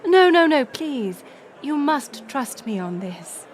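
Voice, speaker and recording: A woman playing a gracious, resolute middle-aged queen in an audio roleplay, speaking in formal, stately, measured phrases. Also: high voice, big pitch swings, a faint crowd, slight background noise, heavily acted. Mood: earnest reassurance. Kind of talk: scripted audio roleplay acting.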